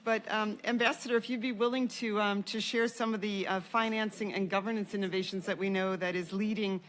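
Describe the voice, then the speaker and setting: A woman moderates a panel and introduces each speaker, often pausing and restarting mid-sentence. Her voice sits at a middle pitch, and there is a faint background hum. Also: fairly even intonation. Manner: halting, with frequent pauses and restarts.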